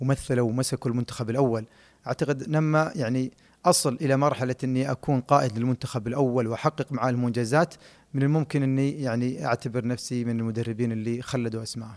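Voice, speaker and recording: The recording is very clean, with a silent background and a dry, close sound with no echo. A man speaks at a medium pitch and a fairly quick pace, keeping his intonation fairly even. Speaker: football coach. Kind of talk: interview.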